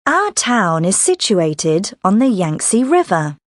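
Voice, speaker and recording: A woman reading scripted answers and sentences for a listening exercise, in a clear, careful way. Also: mid-range voice, sing-song, slow pace, dry recording, studio quality.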